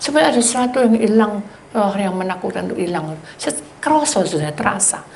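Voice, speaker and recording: A woman's voice: medium pitch, fast, creaky, a little hiss or hum. A woman pastor with a Javanese accent giving a sermon testimony, telling her story vividly, acting out dialogue, and speaking straight to the congregation. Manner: animated storyteller who acts out dialogue; addresses the congregation directly.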